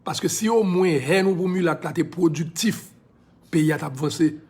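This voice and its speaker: In a casual live video, a Haitian-accented social media personality lectures his viewers with fervor. He talks at normal speed in a darkish tone, his voice a little higher than average for a man, dropping English phrases here and there.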